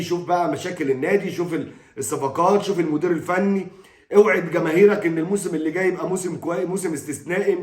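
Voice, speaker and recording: A man's voice: sits high, reverberant. A middle-aged Egyptian man giving an exasperated, scolding football opinion monologue. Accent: Egyptian Arabic. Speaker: football commentator.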